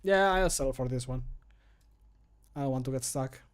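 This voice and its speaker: Chatting casually during a livestream while he works, this thirties-aged streamer, also an amateur voice actor, has a clean mid-range voice at a normal speed. He mutters along, teasing himself now and then, from a small room at home.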